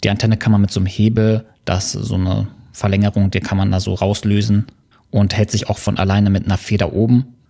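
Gravelly man casually reviewing gadgets. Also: on the low side, a little fast. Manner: relaxed, explanatory, with many fillers. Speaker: channel host reviewing motorcycle intercoms.

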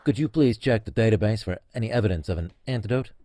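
An actor playing a pompous, envious space captain in a comic audio drama, speaking with melodramatic, halting emphasis. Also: male voice, fairly low pitch, mellow, no echo, studio quality, close to an everyday voice. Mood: solemn, self-important. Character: pompous, envious male starship captain turned bowler, parody. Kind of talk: comic audio drama acting with log narration.

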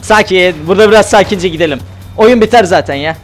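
A man streaming a game live, excitable and talkative, yelping and shouting at the action while chatting to viewers. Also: high-pitched, fast, soft background music. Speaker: gaming streamer.

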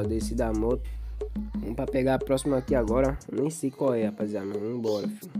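A young Brazilian man with a Brazilian Portuguese accent casually narrating his gameplay, rambling in street slang and hyping up his viewers. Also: mid-range voice. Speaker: gaming YouTuber. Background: game music.

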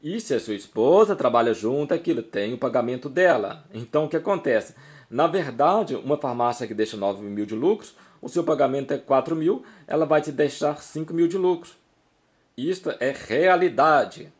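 A man's voice: mid-range voice, animated, moderate pace. Brazilian man explaining in an informal lesson. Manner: repetitive, emphatic explaining with frequent check-in tags. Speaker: small-business advice video host. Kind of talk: informal instructional talk to camera, explaining with examples.

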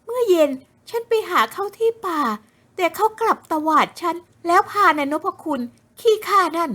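A woman's voice: animated, moderate pace, sharp tone, full character voice. A woman voicing a spoiled, jealous young woman who talks in a whiny, demanding way in a novel reading. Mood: whiny resentful. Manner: whiny, high-pitched, sulky. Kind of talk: audiobook character voice.

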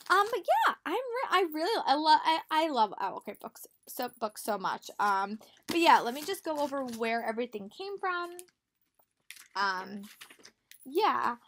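A woman's voice: sits high, sing-song, measured pace, fairly bright tone, slight background noise. Chatty young woman vlogging from home. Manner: chatty, many fillers and restarts. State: slightly hoarse from a cold. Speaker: book vlogger and teacher. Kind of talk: casual reading vlog chat. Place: small bedroom with bookshelves and posters. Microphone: laptop webcam at close range.

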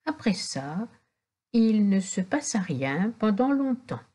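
A woman reading a children's tale aloud as an audiobook, in a gentle storytelling cadence. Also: mid-range voice, big pitch swings, slow, breathy edge. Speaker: audiobook reader.

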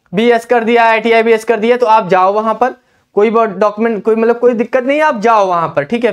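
High-voiced young man teaching at whiteboard. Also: clear, resonant tone. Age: young adult. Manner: instructive, repeats "ठीक है" often. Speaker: exam coach. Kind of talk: whiteboard lesson. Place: indoor classroom at a whiteboard. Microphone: lapel mic.

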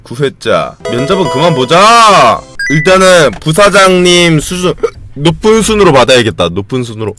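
Young male game streamer, bright voice with a wide pitch range, excitable and quick to yell and swear, close mic with faint clicks behind. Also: faint music behind. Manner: reads game text aloud in a flat lower voice. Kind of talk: casual gameplay commentary.

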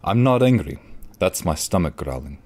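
A man voicing a big, gentle, hungry bear in a children's puppet show, mild and rumbling. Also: very animated, normal speed. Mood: apologetic.

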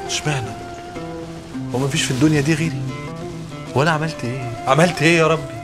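An actor playing an unlucky, self-pitying captain, speaking with an Egyptian Arabic accent. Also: male voice, fairly high pitch, fairly even intonation, quick pace, close to an everyday voice. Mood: exasperated. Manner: lamenting, pleading, exasperated. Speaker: film character. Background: film score music.

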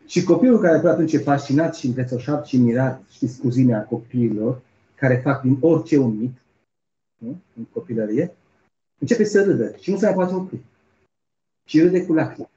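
Keynote lecturer, male, very dark mellow voice; storytelling delivery with rhetorical asides, roomy hall sound. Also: mid-range voice, expressive. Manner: storytelling with frequent rhetorical "nu?" tags. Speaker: keynote speaker. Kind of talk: academic lecture, retelling a story. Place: conference hall. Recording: roomy, dull lo-fi lecture recording.

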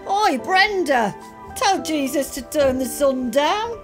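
A woman playing a sharp-tongued, grouchy complainer in a comedy cartoon. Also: sits high, expressive, slow, soft background music. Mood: exasperated.

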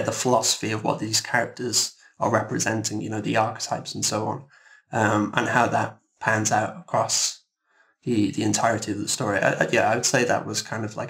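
A man speaking as an interviewed guest in a thoughtful discussion, halting and reflective, often repeating words. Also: lowish voice, gravelly, a bit bright.

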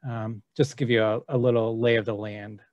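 A man giving an academic conference presentation over a video call, relaxed and hesitant with many fillers. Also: medium pitch, brisk, no echo, muffled recording.

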